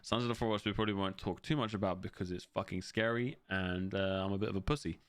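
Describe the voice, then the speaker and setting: A man's voice: deep voice, steady tone, fast, clear, resonant tone, no echo. A man co-hosting a casual gaming podcast, laughing often and swearing freely. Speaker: podcast co-host. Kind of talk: casual chat.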